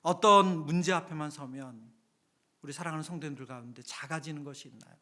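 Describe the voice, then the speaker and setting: A man preaching a Friday evening sermon in a church sanctuary, his voice pitched high and ringing bright. He keeps it conversational and acts out everyday scenes. He swings from loud exclamations down to hushed whispers. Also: brisk. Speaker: pastor.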